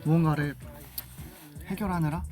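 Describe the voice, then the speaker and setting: A young man casually hosting a livestream, relaxed as he explains how he made a jingle. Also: a little high, moderate pace, over loud music. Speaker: livestream host.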